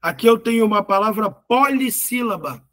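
A male teacher working through exam questions, slowly spelling out syllables and often asking "ok?" to check understanding. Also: sits high, lively intonation, fairly bright tone. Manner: patient, repeats words and syllables, frequent "ok?" checks.

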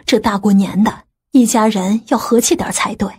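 A woman's voice: mid-range voice, fairly even intonation, moderate pace, a little mellow, slightly rough. A woman playing an older, fretful mother in an audiobook drama, nagging and questioning. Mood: gentle pleading.

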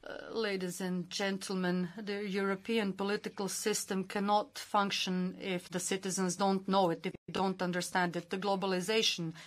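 A woman simultaneously interpreting formal conference speeches, with many filler pauses and a steady, formal delivery. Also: medium pitch.

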